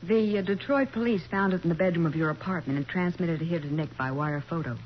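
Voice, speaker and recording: An American actress playing an alert, helpful detective's assistant in a 1940s radio crime drama, eagerly explaining. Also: female voice, fairly low pitch, fast, natural voice. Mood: eager, inquisitive. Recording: dull, noisy 1940s radio recording.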